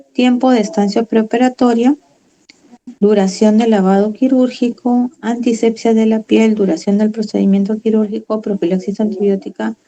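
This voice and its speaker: A woman's voice: medium pitch, creaky, mellow, highs cut off. A woman giving a medical lecture, reading from slides and then explaining in her own words with fillers and tag questions.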